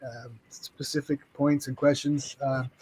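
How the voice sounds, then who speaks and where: A man talking as an interview guest about his game products, halting and restarting often. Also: mid-range voice, level tone, a little mellow, breathy edge, rough recording. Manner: halting, restarts with many ums and uhs. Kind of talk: casual interview chat.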